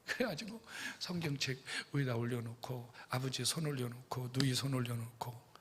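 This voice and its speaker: A middle-aged male pastor tells a story during a sermon in a church sanctuary, speaking at a medium pitch and moderate pace. His delivery is dramatic, dropping to hushed whispers before bursting out loud, and he keeps addressing the congregation directly and repeating phrases. The recording carries a long church reverb and a little hiss or hum.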